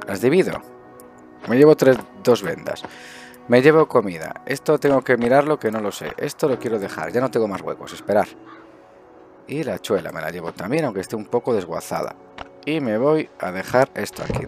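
A man's voice: on the low side, darkish tone. A middle-aged man with an accent from Spain giving casual, improvised gameplay commentary, chatting and thinking aloud with muttered questions to himself. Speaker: gaming video host. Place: indoors at a desk, webcam view.

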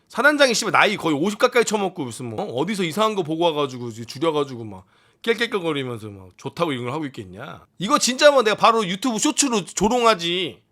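A man runs a military commentary channel, ranting and cursing in exasperation. His voice sits fairly high and bright, and it leaps around in lively swings. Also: fast talker. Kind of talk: casual commentary.

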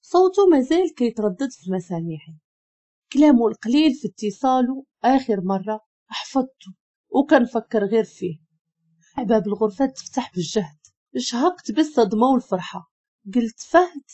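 A woman's voice: a little high, expressive, brisk, dark tone, breathy edge. A woman with a Moroccan Arabic accent, narrating a first-person love story and reading the dialogue in her own voice.

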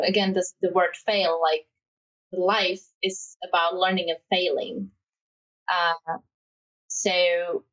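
A young woman from the Czech Republic speaks English with a Czech accent, loose and chatty, full of little fillers and laughs. She sits a little away from her microphone, so her voice comes through distant, and the sound is dull and lo-fi. Her pitch sits in an ordinary middle range. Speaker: guest, matte painter. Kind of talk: casual podcast interview.

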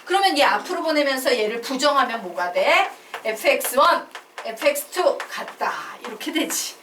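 A woman's voice: high voice, animated, moderate pace, a bit bright. A woman math teacher giving a classroom lecture, drilling students with call-and-response chanting and mixing casual and polite speech. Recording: echoey classroom, far from mic, noisy.

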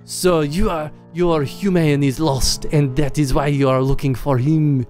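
A man's voice: fairly high pitch, fairly even intonation, measured pace, darkish tone, faint music behind, natural voice. A man voicing a pompous male black cat philosopher in a put-on French accent. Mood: haughty. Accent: fake French accent.

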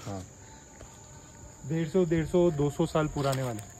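A man's voice: on the high side, expressive, unhurried, noisy background. A man bantering casually off camera, joking and laid-back, talking with his wife during a family trip. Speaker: vlogger's husband.

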